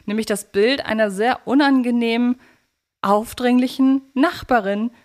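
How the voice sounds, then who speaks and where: A woman co-hosts a casual podcast analyzing an audio drama series, speaking in a reflective, elaborating way. Her voice is a little high and a little slow, with a darkish tone.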